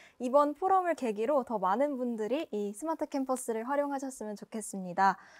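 High pitch from a woman with lively intonation, a fairly quick pace and a quiet background. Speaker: student forum moderator. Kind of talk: scripted presenting. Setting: studio. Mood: polite, warm, composed. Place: studio. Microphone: lapel.

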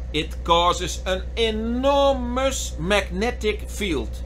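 Light background noise accompanies a man as he speaks. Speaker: boat owner vlogger. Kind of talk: casual vlog chat. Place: boat.

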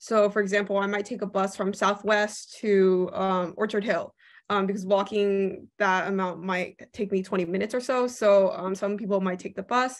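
A woman speaks at a moderate pace. Her intonation stays fairly even. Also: medium pitch for a woman.

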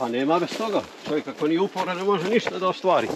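A man talks at a very fast pace with lively intonation. The sound is dry with no echo, and there is noticeable background noise. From Montenegro. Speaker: villager looking for water. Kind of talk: casual chat. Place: car. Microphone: phone near.

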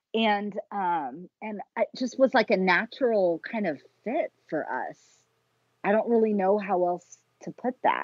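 A woman with a medium-pitched voice talks at a fairly slow pace with lively intonation. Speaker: life coach. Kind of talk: casual chat. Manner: animated.

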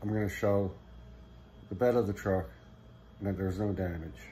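A man talks with a very deep, low pitch. His voice is somewhat breathy, with light background noise behind it. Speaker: vlogger. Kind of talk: casual vlog chat. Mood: apologetic, reflective. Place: home room. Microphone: phone near.

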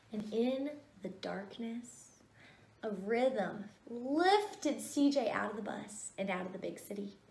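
A woman speaks in a fairly high voice with an animated, warm tone. Her pitch varies in an ordinary way, and room echo is audible. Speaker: teacher reading a picture book aloud. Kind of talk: dramatic storybook narration with character voices. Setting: video, children's read-aloud. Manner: animated, expressive, warm storytelling; instructional, encouraging toward children. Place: home room. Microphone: phone near.

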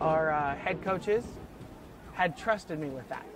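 A man's fairly high voice at a fairly quick pace, dry with no echo, over noticeable background noise. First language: Spanish. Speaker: high school football coach and English teacher. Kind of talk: interview. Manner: casual with many fillers. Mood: warm, reflective. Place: stadium.

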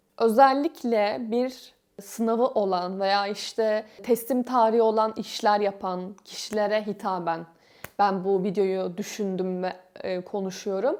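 Speaking at a very slow pace, a woman uses a medium pitch. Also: ordinary pitch variation. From Turkey. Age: 20s. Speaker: vlogger. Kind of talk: personal vlog monologue.

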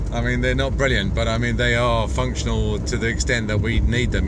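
Against loud background noise, a man talks at a fairly quick pace. The sound is dry with no echo. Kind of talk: casual vlog chat. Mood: wry, amused complaining. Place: car. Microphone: phone near.

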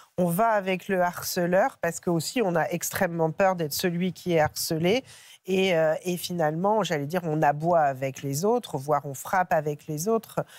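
Against a quiet background, a woman speaks in an ordinary speaking voice at a moderate pace, her pitch fairly low with ordinary variation and the sound dry with no echo. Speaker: psychologist; talk show host. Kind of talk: expert commentary on talk show. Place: studio. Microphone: lapel.

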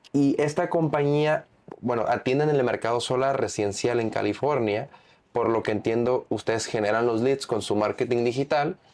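A man at a moderate pace, with ordinary pitch variation and very even loudness. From Mexico. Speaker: podcast host. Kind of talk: interview.

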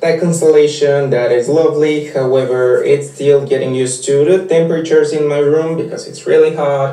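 A man in audible room echo, with faint music in the background. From Bulgaria. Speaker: plant hobbyist; plant youtuber. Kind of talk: video walkthrough. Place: home room.

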